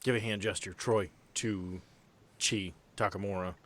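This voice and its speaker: Low-voiced man running a tabletop game. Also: steady tone, a little slow, a bit bright. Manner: casual, sweary banter. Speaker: game master. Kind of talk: narrating a tabletop roleplaying game.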